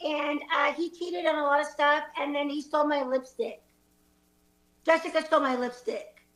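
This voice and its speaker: A woman's voice: high voice, steady tone, normal speed, a bit bright. A woman playing a flustered, defensive former student in an improvised comedy scene. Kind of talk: improvised comedy stage acting. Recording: roomy, echoey live space.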